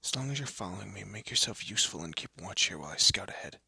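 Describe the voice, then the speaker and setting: A man playing a haughty but secretly soft young elf prince in a scripted roleplay audio drama, with a pompous, formal manner and a breathy, often hushed voice. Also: sits low, expressive, fast talker, dry recording, exaggerated voice. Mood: urgent, curt. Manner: pompous, formal, flustered stammering.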